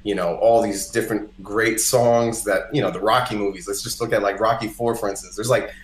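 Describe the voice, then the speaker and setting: Speaking fairly quickly in a steady, fairly low voice, a man from Costa Rica tells personal stories as a podcast guest. He's a singer-songwriter whose first language is Spanish, and his relaxed talk is full of "like" and "you know." Echo from the indoor space is noticeable.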